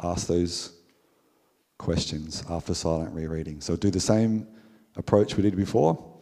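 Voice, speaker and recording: In an Australian accent, a man with a very deep, low pitch and a dark, mellow tone speaks at a fairly slow pace with ordinary pitch variation, on a very clean recording with a silent background. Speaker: church teacher leading a Bible workshop. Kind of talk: group Bible study teaching. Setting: room with live group audience.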